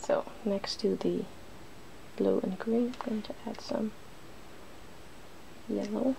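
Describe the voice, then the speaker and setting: A woman hosting an ASMR makeup demonstration, speaking in soft, breathy whispers and hushed tones as she narrates each step playfully. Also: mid-range voice, steady tone, takes it slowly, a little hiss or hum, low-quality recording. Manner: playful, giggly. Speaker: ASMR video host.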